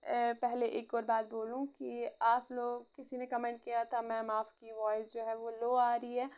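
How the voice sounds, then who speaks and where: A woman gives an exam-prep history lecture in a slightly high voice. She keeps pausing to check in with her students and drops English phrases into her explanations. The recording sounds dull and muffled. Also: monotone, clear, resonant tone. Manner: frequent "theek hai" check-ins, mixes English phrases. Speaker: teacher.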